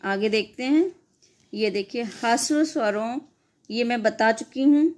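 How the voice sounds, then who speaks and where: A woman teacher with a somewhat high voice works through exam-prep grammar notes. She reads each definition aloud, then restates it informally for her students. She catches and corrects her own slips as she goes. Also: unhurried, darkish tone. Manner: reads out definitions, then re-explains them in loose spoken asides; frequent self-corrections and "sorry".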